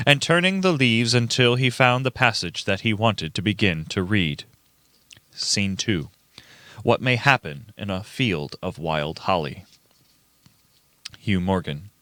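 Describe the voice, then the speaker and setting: Male script narrator, announcing names and stage directions, crisp bright tone, very dry recording. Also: lowish voice, dry recording. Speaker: narrator reading every part of a script. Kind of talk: scripted radio play reading.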